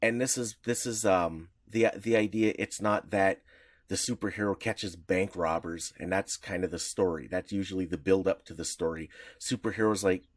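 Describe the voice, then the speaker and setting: Low-voiced rambling male co-host, dry sound. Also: steady tone, no room sound. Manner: rambling, halting, many restarts. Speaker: podcast co-host. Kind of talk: casual podcast chat.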